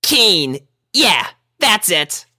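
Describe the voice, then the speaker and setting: A woman's voice: lowish voice, sing-song, very slow, pushed and bright, voice pushed up, full character voice. A woman voicing a tomboyish young female pony, earnest and a little awkward, in a cartoon storybook style. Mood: awkward relief. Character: tomboyish young female pegasus pony, guilty but protective. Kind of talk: cartoon fan fiction character voice.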